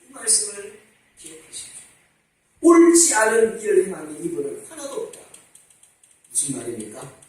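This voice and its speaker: A man's voice: high-pitched, wildly swooping pitch, moderate pace, long pauses, darkish tone. A man preaching a sermon as pastor, asking rhetorical questions and repeating his calls to repent. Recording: echoey church hall, mic at a distance.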